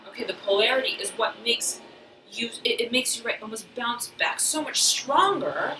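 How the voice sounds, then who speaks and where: A woman giving an intuitive tarot reading, halting and searching as she talks, slightly hoarse, often saying "right" and "I'm hearing.". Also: on the high side, animated, recorded from a distance, noisy background. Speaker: tarot reader. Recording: roomy echo, voice off-mic.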